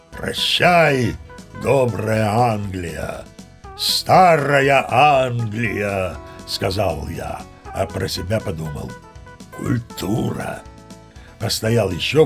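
Audio play lead: seasoned old mariner telling yarns, mid-range voice, wry dignity, soft music underneath. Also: male voice, mid-range voice, creaky. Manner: chatty raconteur, mock-dignified. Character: seasoned old male sea captain spinning tall tales. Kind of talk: dramatized storytelling narration.

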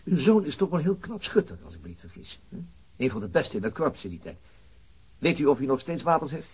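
An actor playing a persistent, formally polite police detective who questions tersely, in a naturalistic radio drama. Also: male voice, medium pitch, very animated, quick pace, slightly rough, heavily acted. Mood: formal, probing.

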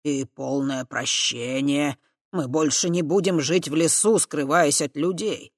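A reader voicing an old horned male forest creature, a shrewd grandfather who speaks slowly and weightily. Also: on the high side, dry recording, studio quality. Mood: persuasive. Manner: slow, weighty, calculating.

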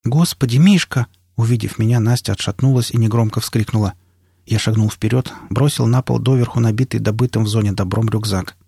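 A man narrating an audiobook in the first person in a steady storytelling manner. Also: fairly low pitch, fairly quick, gravelly, breathy edge, no echo, studio quality.

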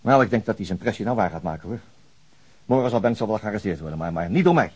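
A principled detective in a radio play. He talks quickly in a husky voice. His manner is dry, tired and stubborn, feeling his way through phrases. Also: fairly low pitch, lively intonation. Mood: worried. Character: dogged, weary, principled male police detective. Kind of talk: Dutch radio drama acting.

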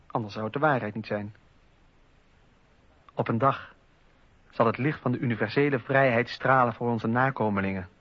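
A dry, muffled lo-fi radio recording holds a husky philosopher voiced by a male actor. He is a solemn, hopeful idealist of middling pitch, declaiming his reflective monologue. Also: dry recording, close to an everyday voice.

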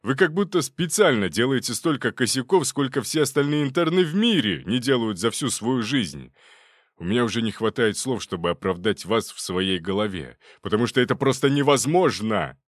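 A man voicing a gruff, stern male doctor who scolds his interns loudly. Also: mid-range voice, sing-song, moderate pace, no room sound, clean studio sound, lightly acted. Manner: barking, exasperated scolding.

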